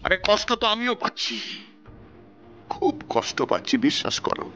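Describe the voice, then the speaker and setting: A man's voice: high voice, big pitch swings, moderate pace. An actor playing a ruthless, scheming male businessman villain in a TV serial, with a menacing manner. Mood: self-pitying. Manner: menacing, pleading then threatening. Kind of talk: TV serial acting. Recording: music underneath.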